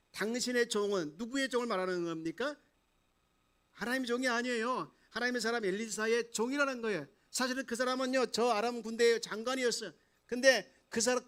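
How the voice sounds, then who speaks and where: Male pastor, sermon, high voice, quizzes the congregation, dramatizes the story. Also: fairly bright tone, clear, resonant tone.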